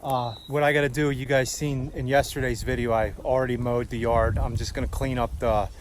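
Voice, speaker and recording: A man's voice: mid-range voice, flat delivery, fairly quick. A man chatting casually and informally in a folksy way, giving a vlog tour outdoors in a breezy garden. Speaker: vlogger showing his vegetable garden. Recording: noisy outdoor recording, breezy ambience.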